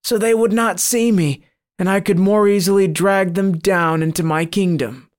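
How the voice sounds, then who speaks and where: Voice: mid-range voice, moderate pace, voice pushed up, close to an everyday voice. A reader voicing a cowering devil cat. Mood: sly. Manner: reluctant, whining answers under threat.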